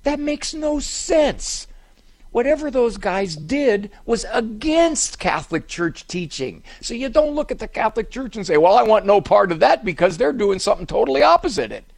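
A man's voice: high voice, moderate pace, vocal fry. An older man hosting a live talk show on a cruise, telling funny self-deprecating stories. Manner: animated, self-deprecating joking. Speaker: radio talk show host and psychologist. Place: live event on a cruise ship.

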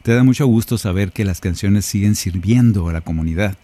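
A man's voice: on the low side, fairly quick, dark tone. A man, a Catholic singer-songwriter hosting a reflective, joking talk between songs. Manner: conversational and joking. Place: his own recording studio.

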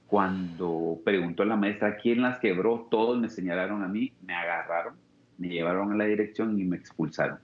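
A man's voice: deep voice, normal speed, echoey room. A young man with a Guatemalan Spanish accent giving an earnest, reflective personal testimony as an interview guest, often restarting his sentences. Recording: dull lo-fi sound.

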